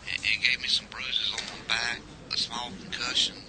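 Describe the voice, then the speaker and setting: A man's voice: mid-range voice, flat delivery, creaky, natural voice. A man playing an injured driver calling from a hospital bed, weak, coughing, and stammering. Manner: halting, stammering. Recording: noisy amateur recording.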